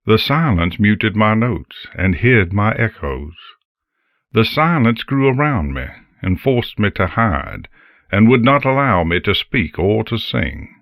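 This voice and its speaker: A man voicing an ancient, lonely broadcasting entity in a horror audio story, speaking solemnly in a hushed, gravelly voice with long pauses. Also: fairly low pitch, no room sound, studio quality, exaggerated voice. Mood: bitter, foreboding. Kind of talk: dramatic monologue in an audio horror fiction reading.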